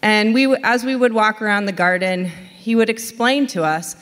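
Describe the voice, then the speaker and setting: A woman's voice: mid-range voice, normal speed, fairly bright tone. Woman from western mass telling a story onstage, reflective, hall echo. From western Massachusetts. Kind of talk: live personal storytelling. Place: stage in a hall. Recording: long hall reverb.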